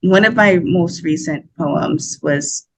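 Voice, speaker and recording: A woman's voice: low-pitched, slow, a little hiss or hum. Chatty young woman, laughing often. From United States. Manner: animated, laughs often, many fillers. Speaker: podcast guest, actor. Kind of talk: casual interview chat.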